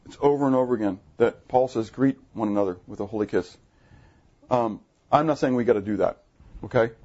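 A man preaching a sermon to his congregation, animated, asking the room questions, with jumps in pitch when he gets excited. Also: fairly quick, highs cut off. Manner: jumpy pitch, bursts high when excited. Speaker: pastor. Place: church assembly room.

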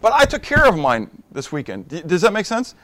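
A middle-aged male pastor preaching a sermon in a lively, high-pitched voice. He talks to the congregation like a conversation, full of rhetorical questions. He drops to hushed asides, then builds to emphatic points. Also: brisk.

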